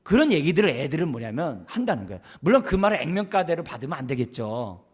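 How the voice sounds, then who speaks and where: A man's voice: on the high side, very animated, quick pace, breathy edge. Man preaching at church, keeps asking the congregation questions, voice goes way up and down. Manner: many rhetorical questions to the congregation. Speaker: pastor. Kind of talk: sermon on parenting. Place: church service.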